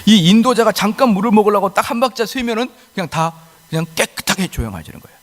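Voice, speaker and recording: High-voiced preaching man, echoing hall. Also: lively intonation, fast. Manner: emphatic preaching with rhetorical questions and acted-out quotes. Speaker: pastor. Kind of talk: sermon. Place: church sanctuary.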